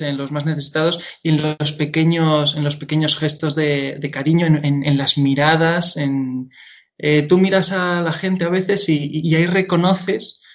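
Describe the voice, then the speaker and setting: A man's voice: fairly high pitch, lo-fi sound. A young man in his twenties with a Madrid Spanish accent, a guest in a radio interview, speaking earnestly and hesitantly, often repeating and restarting words. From Madrid, Spain. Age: 20s. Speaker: guest singer-songwriter.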